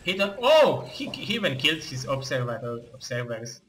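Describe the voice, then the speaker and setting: A man with a Russian accent casting a live strategy game tournament, excitable, with halting non-native phrasing. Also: medium pitch, slight background noise, low-quality recording. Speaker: esports caster and tournament host.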